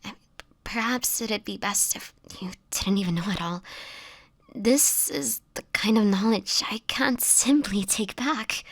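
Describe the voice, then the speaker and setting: A woman playing a sickly, homeless vampire in an intimate audio roleplay, speaking in a breathy, whispery voice with halting, hesitant delivery. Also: medium pitch, fairly bright tone, no echo. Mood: hesitant, sorrowful. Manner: halting, hesitant storytelling with pauses.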